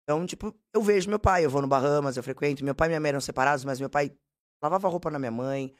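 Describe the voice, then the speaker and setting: A woman with a Brazilian Portuguese accent, telling blunt, animated, slangy stories as a podcast guest. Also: low-pitched, racing. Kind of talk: casual storytelling.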